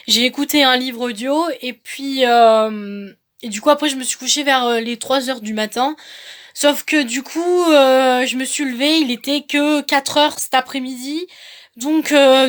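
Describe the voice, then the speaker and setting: High-voiced young woman vlogging. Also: fairly bright tone. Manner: rambling, repetitive, hesitant phrasing. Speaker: book vlogger. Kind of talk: casual vlog monologue.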